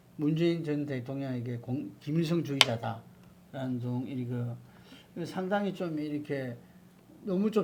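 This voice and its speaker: A man's ordinary speaking voice, fairly high in pitch, with lively intonation. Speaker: interviewer, news outlet head. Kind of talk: interview question.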